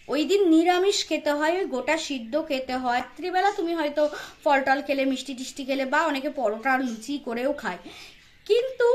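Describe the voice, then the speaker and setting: A woman hosting a casual roast commentary, scolding and sarcastic, with lots of fillers and hesitations. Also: high-pitched. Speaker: commentary channel host.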